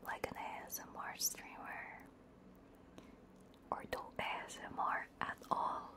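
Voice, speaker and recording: Slow, hushed woman whispering ASMR. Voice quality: breathy whisper. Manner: slow, halting, casual. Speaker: VTuber streamer. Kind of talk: ASMR livestream chat. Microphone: close binaural ASMR microphone.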